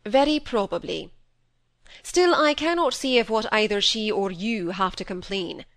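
A woman voicing a stern middle-aged male doctor and father, speaking in a measured, reproving way. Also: mid-range voice, expressive, creaky, a bit bright.

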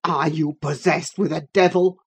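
A woman voicing a desperate, anguished man who speaks slowly and savagely. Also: deep voice, dark tone. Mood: despair. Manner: slow, despairing, savage.

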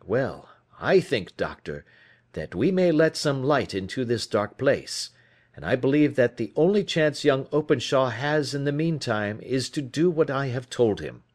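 A man reading aloud, voicing Sherlock Holmes as a keen, brisk detective in a crisp, emphatic, declamatory way. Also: mid-range voice, animated, darkish tone, pitched above the performer's own voice. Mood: explaining. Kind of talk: audiobook character reading.

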